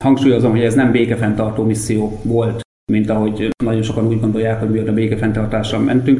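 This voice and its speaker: At a very fast pace, a man talks in a medium-pitched, flat monotone. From northern Hungary, near Miskolc. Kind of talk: interview. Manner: halting.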